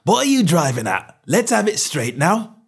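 A man's voice: on the high side, sing-song, a little slow, voice pushed up, heavily acted. A man voicing a cocky, stubborn, snappish poultry salesman in a story reading, with combative colloquial talk.

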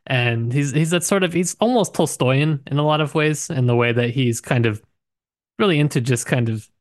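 A man's voice: mid-range voice, normal speed, no echo, studio quality. A man co-hosting a podcast, casually discussing a book in a joking, loosely worded way. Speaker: podcast co-host.

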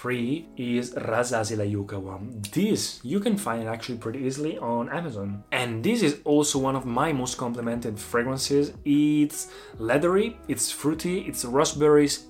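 An enthusiastic young Italian man talking through his favorite fragrances with an Italian accent. He speaks at a middle pitch, emphatic and drawn out, with faint music under his voice. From Italy. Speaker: fragrance reviewer. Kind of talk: casual video review.

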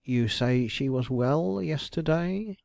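A shrewd detective draws out his questions slowly and suavely, as a man reads him, every word deliberate and courteous. The voice sits in a middle range and is recorded close and dry, like a storybook character. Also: a little high, expressive, creaky, a little mellow, no echo, pitched above the performer's own voice, exaggerated voice.

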